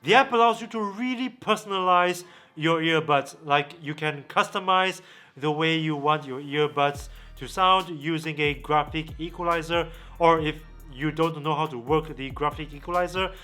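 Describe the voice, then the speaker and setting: Bright, forceful-voiced man reviewing gadgets. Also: a little high. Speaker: tech reviewer, vlog host. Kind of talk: product review to camera.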